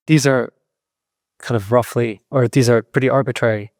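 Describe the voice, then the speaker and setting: A man's voice: medium pitch, fairly even intonation, moderate pace, no room sound. Male interviewer in a dry-sounding space. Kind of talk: conversational interview questioning.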